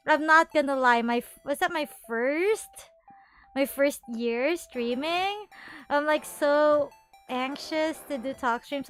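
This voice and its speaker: A woman's voice: high voice, a bit bright. A woman streamer chatting casually with her viewers, bubbly and rambling, often restarting her sentences and laughing. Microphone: earphones with a desktop mic. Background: faint background music.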